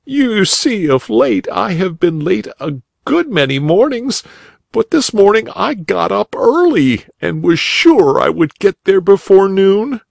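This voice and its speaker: A man voicing a tearful young schoolboy who is late for school, pitched far up. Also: very animated, unhurried, vocal fry, no echo, heavily acted. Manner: high, wailing, tearful.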